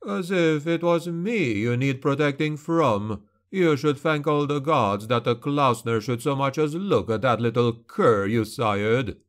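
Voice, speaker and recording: A man's voice: mid-range voice, a little slow, natural voice. Guy doing arrogant young lord in a fantasy audiobook, slight lisp, snarly, mocking, bossy. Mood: menacing. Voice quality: slight lisp, words drawn out. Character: young arrogant nobleman bully, sneering, menacing, disdainful.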